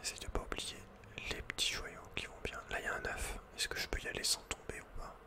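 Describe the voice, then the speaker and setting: Male, fully whispered and breathy, for laid-back, slangy video game ASMR close on the mic. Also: fast. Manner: casual, slangy, muttering to himself. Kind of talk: whispered ASMR gameplay commentary. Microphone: close microphone.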